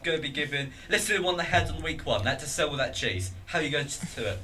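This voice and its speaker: A man's voice: a little high, animated, quick pace, background noise. A British teenage boy quizzing his friends in casual chat, laughing often. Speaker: friend asking questions.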